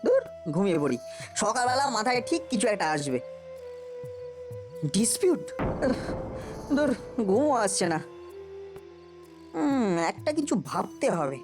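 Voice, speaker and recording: An eager, scheming little cartoon boy, full of bright ideas and exclamations. The voice sits fairly high and jumps around a lot in pitch. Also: big pitch swings, over music. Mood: puzzled, restless. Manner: eager, exclamatory, quick to plot. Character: clever, excitable ten-year-old boy, a scheming leader. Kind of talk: animated children's cartoon acting.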